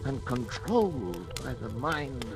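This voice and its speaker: An actor in an old radio drama playing a frightened scientist, theatrical and prone to frantic outbursts. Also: male voice, mid-range voice, sing-song, slow, gravelly, full character voice. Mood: brooding. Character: frightened male scientist, haunted by his creation. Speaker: lead actor and narrator of diary entries. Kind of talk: 1940s radio acting. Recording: old radio broadcast with music.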